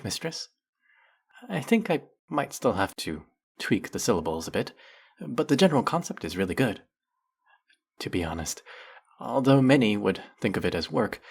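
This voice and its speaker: Fantasy audio drama: man as zealous demon servant, deep husky voice, grandly reverent, flirtatious and fawning. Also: heavily acted. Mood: eager, flirty. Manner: grandiose, theatrical, reverent, obsequious.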